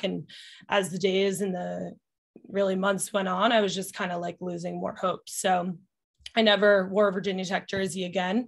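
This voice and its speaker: Against a quiet background, a woman speaks at a medium pitch. Her pace is moderate and her intonation monotone and flat. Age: 30s. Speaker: former college soccer player. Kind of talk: personal testimony on panel. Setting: video call. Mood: earnest, reflective about injury. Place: home room. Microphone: video call.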